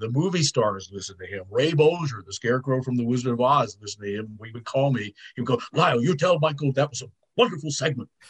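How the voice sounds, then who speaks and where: A man's somewhat breathy voice at a very fast pace, with ordinary pitch variation and big swings in loudness. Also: medium pitch for a man. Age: 60s. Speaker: longtime radio talk show producer. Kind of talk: casual interview reminiscence. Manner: animated, rambling with frequent repetitions.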